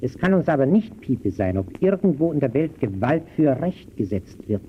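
A man's voice: medium pitch, sing-song, normal speed, lightly acted. Actor as earnest declaiming man, muffled old recording. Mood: indignant, earnest. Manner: declamatory, rhetorical. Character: earnest, indignant male debater lecturing on injustice. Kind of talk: 1920s German radio play dialogue. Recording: dull old radio recording, faint noise.

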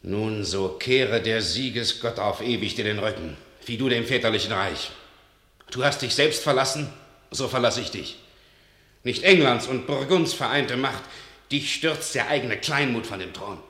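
Bright, forceful, proud nobleman played by a man. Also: mid-range voice, moderate pace, roomy sound, natural voice. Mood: indignant, defiant. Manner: indignant, emphatic declamation. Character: proud, hot-tempered nobleman and warrior defying his king. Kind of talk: classical verse radio drama acting.

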